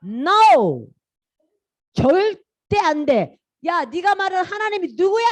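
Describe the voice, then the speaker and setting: A woman acting out an angry, scornful Egyptian king in a children's Bible story, shouting dismissive commands. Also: high-pitched, expressive, fairly quick, voice pushed up. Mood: scornful, commanding.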